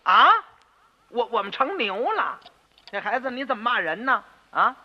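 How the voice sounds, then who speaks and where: A male storyteller voicing pompous, indignant stewards of a rich house, loud and blustering, on a dull radio recording with long reverb. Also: very high voice, animated, moderate pace, pitched above the performer's own voice.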